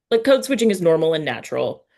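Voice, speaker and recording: Low-voiced woman interviewer, halting and thoughtful. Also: vocal fry, darkish tone. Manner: halting, self-correcting, thinking aloud with sighs. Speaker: podcast host interviewing an author. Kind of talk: casual interview chat.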